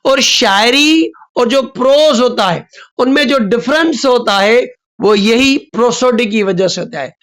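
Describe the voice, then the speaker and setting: A man teaching a lesson on poetic rhythm, drawing out his example words slowly. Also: very high voice, fairly bright tone. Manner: drawn-out stressed example words. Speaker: literature teacher. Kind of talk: explanatory lesson.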